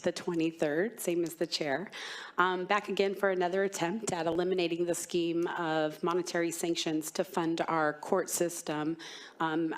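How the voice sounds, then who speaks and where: A woman legislator with a cold giving formal, measured committee testimony, her voice hoarse. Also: on the low side.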